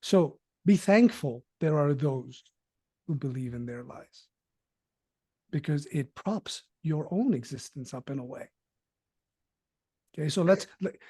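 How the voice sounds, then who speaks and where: A man's voice: fairly high pitch, mellow, husky, no echo, clean studio sound. A man hosting a group video call from his dining table, talking bluntly and swearing freely. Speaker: host.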